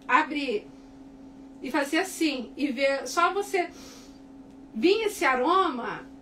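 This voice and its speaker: A Brazilian woman with a high voice and a Brazilian Portuguese accent teaches cake decorating to her viewers in a casual, slow-paced tutorial. She's chatty and animated, repeatedly using tag questions like "tá?" and "né?". The mic is distant, with faint background noise.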